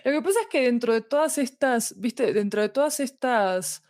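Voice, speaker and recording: A woman's voice: on the high side, lively intonation, moderate pace, a little mellow, dry recording, studio quality. A woman with a Latin American Spanish accent talking conversationally as an interview guest, explaining things reflectively and often checking in with tag questions. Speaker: podcast guest discussing audio fiction.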